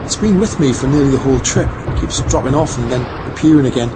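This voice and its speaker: A man's voice: medium pitch, animated, quick pace, natural voice. A man playing a watchful, worried traveler phoning while driving, talking in a hesitant, casual way in an audio drama. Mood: uneasy. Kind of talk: conversational audio drama acting. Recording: noisy car interior ambience. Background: car and road noise.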